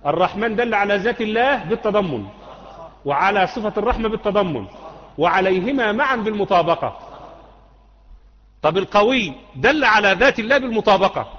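A man's voice: high-pitched, expressive, brisk, pauses often, fairly bright tone. Egyptian man quizzing a class on creed. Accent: Egyptian Arabic. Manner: quizzing, repeating, drawing answers from the class. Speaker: Islamic creed teacher. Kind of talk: classroom lecture with questions to students. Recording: muffled lecture hall recording with long echo.

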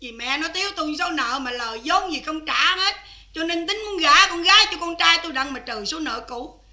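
An actress playing an older, loud, scheming village mother-in-law in a Vietnamese cải lương stage drama, wailing and shouting. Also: high voice, animated, fairly quick, heavily acted. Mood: pleading. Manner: wailing, shouting, theatrical crying.

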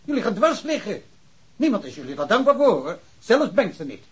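An actor playing an indignant, argumentative policeman with a husky voice in a radio drama. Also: sits high, very animated, fairly quick, exaggerated voice. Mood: indignant, reproachful. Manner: argumentative, reproachful. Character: indignant local policeman, convinced the case is closed.

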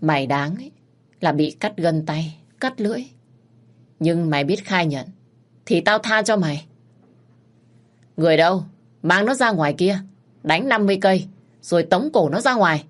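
A woman's voice: low-pitched, lively intonation, moderate pace, long pauses. A woman voicing the stern young master of a wealthy house, giving harsh orders. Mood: commanding. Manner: commanding, harsh.

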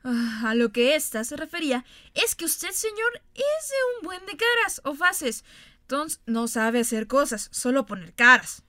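A woman's voice: high-pitched, very animated, unhurried, bright, forceful tone, dry recording, studio quality, full character voice. A woman playing a prim young job clerk in a radio comedy sketch, speaking formally and patiently setting the applicant straight. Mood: exasperated.

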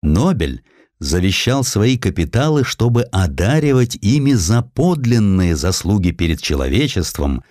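A man's voice: fairly low pitch, a little mellow, dry recording, clean studio sound. A man narrating a historical essay with theatrical, emphatic, scripted delivery.

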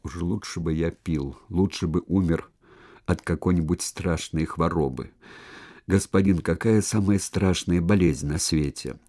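A man's voice: expressive, normal speed, dark tone. A man voicing a drunk young male army recruit who cries and shrieks that he will not go to war, in an audiobook. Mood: weeping. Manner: stammers; slurred, weepy and shrill.

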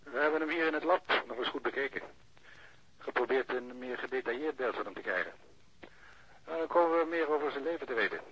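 An actor playing a chatty, eager forensic lab investigator in a radio crime drama, with hesitant interjections. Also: male voice, medium pitch, brisk, breathy edge, lightly acted. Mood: eager, informative. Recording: dull lo-fi radio recording, faint noise.

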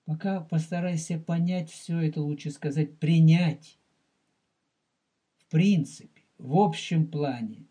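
A man teaching as a rabbi in a recorded religious lecture. He speaks deliberately, addresses the listener directly, and explains and repeats terms for emphasis. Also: fairly high pitch, warm tone, slightly rough.

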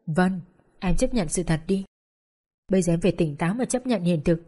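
A woman's voice: fairly low pitch, moderate pace, slightly rough. Woman voicing a worried, firm male doctor. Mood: urging. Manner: calm, earnest persuading.

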